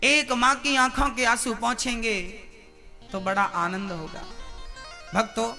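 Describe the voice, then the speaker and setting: A man's voice: very high-pitched, steady tone, unhurried, vocal fry, pushed and bright, soft background music. A man preaching a devotional sermon, telling stories and putting questions to his listeners. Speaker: kathavachak preacher.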